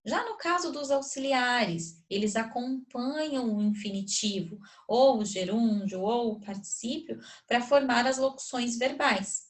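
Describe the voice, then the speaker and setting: A woman's voice: on the high side, measured pace, few pauses. A woman with a Brazilian Portuguese accent teaching a recorded grammar lesson, explaining step by step and often checking whether students follow. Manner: explanatory, checks understanding with rhetorical questions.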